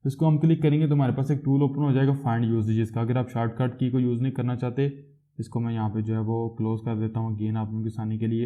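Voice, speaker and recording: A man teaching a coding tutorial step by step, pausing to correct himself and filling gaps with hesitation sounds. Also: medium pitch. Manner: explains step by step, with frequent self-corrections and filler sounds. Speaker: programming tutor. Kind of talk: screen-recorded coding tutorial. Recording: tinny phone-like audio.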